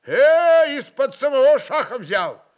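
A man acts out a big, boastful Cossack hawker from an audio drama. He bawls and teases in a raised, high voice that swings widely as he brags about his wares. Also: very animated, measured pace, dull audio, exaggerated voice. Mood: boastful, loud. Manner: bawling, bragging, teasing. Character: tall big-nosed boastful Cossack hawking a carpet.

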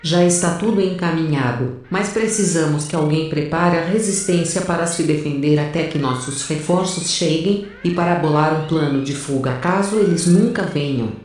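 A woman's voice: sits low, moderate pace, hardly any pauses, darkish tone, soft background music, close to an everyday voice. Woman playing a commanding space officer, distant and echoey. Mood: urgent, commanding. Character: bold foul-mouthed female space first officer. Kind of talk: audio drama narration and dialogue.

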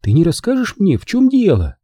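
Audiobook mother, soft and worried, higher voice, a man putting her on. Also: huge pitch swings, a little fast, no echo, clean studio sound, heavily acted. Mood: pressing. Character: anxious, gentle mother, adult woman.

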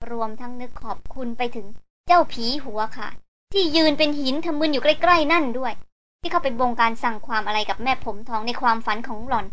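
A woman narrating a novel as an audiobook, in a steady storytelling manner. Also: sits high, slight background noise. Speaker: audiobook reader.

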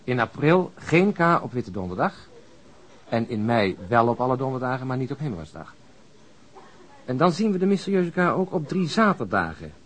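A man's voice: mid-range voice, very animated, moderate pace, close to an everyday voice, poor audio. A man acting as a wry, easygoing police detective in a naturalistic radio drama, conversational and drily teasing. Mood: wry, reporting.

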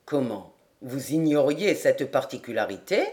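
A woman voicing a good-humoured male nobleman speaking in an amused, gently laughing tone in an audiobook. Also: very deep voice, expressive, measured pace, pitched below the performer's own voice.

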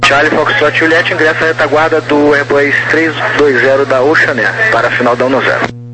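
A man talking over a two-way radio as an air traffic controller, his voice sitting a little high. He reads out instructions in clipped, formal radio phraseology at a measured pace. Loud static hiss runs under every word. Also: fairly even intonation. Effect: heard over a two-way radio. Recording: noisy radio transmission.

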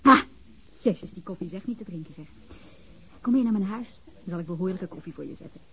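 A woman's voice: fairly low pitch, lively intonation, fairly quick, a bit bright. An actress playing a friendly, frank policewoman in a Dutch radio drama, informal and teasing.

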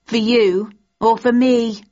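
A woman's voice: medium pitch, expressive, normal speed, slightly rough, voice pushed up. A woman reading an audiobook, voicing a smug, mocking young woman who talks down to her rival. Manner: disdainful, sneering. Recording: dull lo-fi recording.

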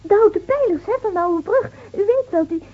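A woman's voice: very high-pitched, animated, brisk. An actress playing a naive, devout young shepherd girl in a radio play, earnest and full of questions. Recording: tinny, noisy old radio play recording.

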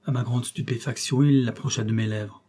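A male audiobook narrator reads a classic adventure novel as scripted narration at a steady, expressive, slightly fast pace. His medium-pitched voice is dark and mellow with a slightly husky edge.

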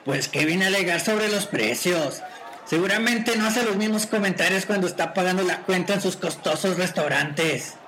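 A man's voice: high-pitched, moderate pace, sharp tone, some chatter behind, poor audio. A man playing a coarse, mocking street rogue in an amateur radio drama, talking back with rude scorn. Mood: scornful.

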